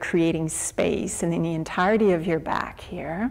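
A woman's fairly low pitch and calm, soothing tone against a quiet background. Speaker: yoga instructor. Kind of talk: guided yoga class, calm step-by-step cueing with breath prompts. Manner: calm, soothing, measured, paced to the breath. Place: studio.

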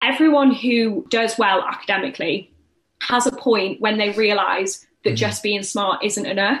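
Audible room echo surrounds a woman with a British accent who speaks at a moderate pace in a bubbly tone, her fairly high pitch showing ordinary variation. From United Kingdom. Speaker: medical student. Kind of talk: podcast interview answer. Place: home room. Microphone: earbuds.

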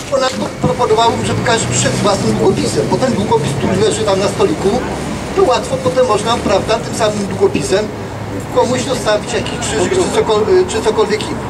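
Loud background noise fills the clip while a man speaks very fast. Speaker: audience member. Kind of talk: public question. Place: street. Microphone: handheld.

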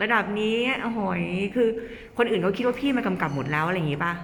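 Lively intonation over noticeable background noise. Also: woman. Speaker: voice dubbing director. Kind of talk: casual vlog talk to camera. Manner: cheerful, playful.

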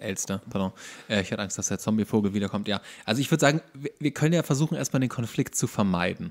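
Very fast and lively in intonation, a man speaks at a medium pitch on a very clean recording with a silent background and a dry, close sound with no echo. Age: 30s. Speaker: podcast co-host, actor. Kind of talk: casual chat.

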